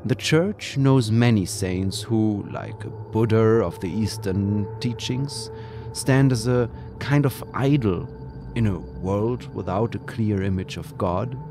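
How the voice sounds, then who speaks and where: A man whose first language is German, slowly reading a scripted horror story with deliberate, dramatic pauses. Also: fairly low pitch. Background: music.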